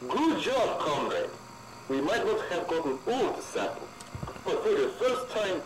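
A calm radio mission handler in a game, giving steady instructions in a high, lively voice. His voice comes through an echoey, noisy transmission. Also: measured pace. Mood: calm instructing. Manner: calm, instructive, calls player comrade.

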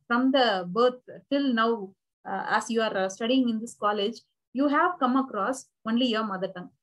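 A woman's voice: a little high, fairly bright tone, rough recording. A young Indian woman whose first language is Tamil, giving a recorded university English lecture over slides, explaining patiently and rephrasing herself with many fillers.

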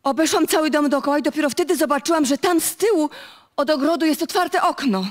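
A woman acts out an anxious cleaning lady in a radio drama. Her voice is high, and she stammers and repeats words in a nervous, flustered way. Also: fast talker, lightly acted. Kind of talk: radio play acting. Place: music studio, played live before an audience.

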